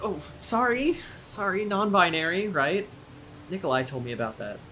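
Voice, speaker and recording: A woman playing a casual, blunt small-town local in an audio drama, speaking in a halting, animated way. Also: on the low side, slight background noise. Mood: apologetic, friendly. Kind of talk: audio drama, naturalistic dialogue.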